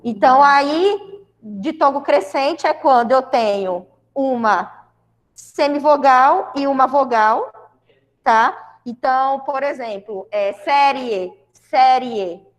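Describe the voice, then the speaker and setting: A woman's voice: high voice, takes it slowly, in a large hall. A Brazilian woman teaching a grammar lesson to a class, explaining step by step and often checking in with her students. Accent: Brazilian Portuguese. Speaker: school Portuguese teacher.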